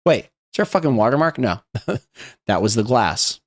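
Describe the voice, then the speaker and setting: A man's voice: medium pitch, big pitch swings, moderate pace. A young man casually reading out viewer memes on a live stream and riffing on them, often swearing and laughing. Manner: reads memes aloud and riffs, swearing, laughing.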